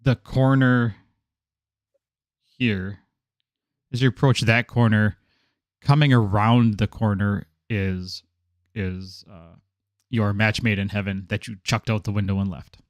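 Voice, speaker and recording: A man narrating a tabletop game as game master, halting with fillers and chuckles. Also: on the low side, steady tone, no room sound.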